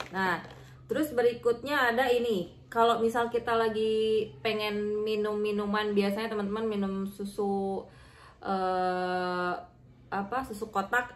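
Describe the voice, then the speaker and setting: A young woman giving a casual, chatty review of diet foods, with frequent fillers and self-corrections, filmed on a camera across a table indoors. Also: medium pitch. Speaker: vlogger reviewing diet products. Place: indoor room. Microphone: fixed camera at table distance. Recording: echoey room, faint noise.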